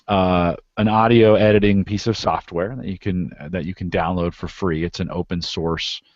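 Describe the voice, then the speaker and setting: A man's voice: deep voice, fairly even intonation, normal speed, a little mellow, no echo. A man who podcasts, talking conversationally as an interview guest and explaining things with repeated phrases for emphasis. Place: live video call. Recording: dull lo-fi online call audio.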